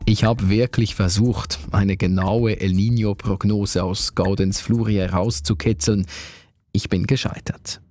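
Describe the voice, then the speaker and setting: A man's voice: lowish voice, fairly even intonation, a little slow, a little mellow, no room sound, studio quality, faint music behind. A man narrating a news podcast from a conversational script.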